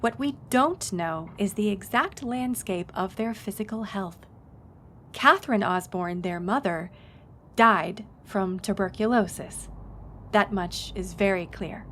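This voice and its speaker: A woman's voice: medium pitch, a little slow, a bit bright, a little hiss or hum, lightly acted. A woman playing a friendly, knowledgeable historic house tour guide in an audio roleplay, speaking in an informative, conversational way. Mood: informative, engaged. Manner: conversational, informative, engages the listener with questions.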